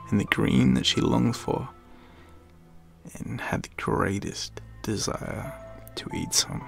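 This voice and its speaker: A man with an Australian accent giving dramatic storybook narration, often dropping into a breathy hush. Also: on the low side.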